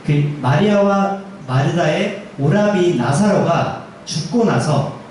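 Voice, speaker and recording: A fairly high-voiced man preaches a sermon to his congregation, talking plainly and asking them questions as he goes. The mic sits well away from him, and his voice rings through a very echoey church hall over faint background noise. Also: lively intonation, slow, darkish tone, distant mic. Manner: conversational, asks the congregation questions. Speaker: junior pastor. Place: church sanctuary.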